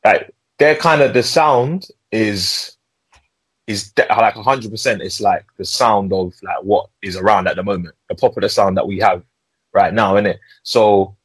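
Young man, London roadman accent, slangy podcast chat, low-pitched, slightly husky, repetitive phrasing. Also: dry recording. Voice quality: urban London street slang delivery. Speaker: podcast host. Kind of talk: casual music podcast chat.

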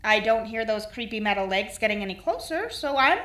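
A woman's voice: fairly high pitch, expressive, brisk, fairly bright tone. An actress playing a resourceful young woman trapped on a station, talking in a wry, practical way in an audio drama. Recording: roomy echo with faint music.

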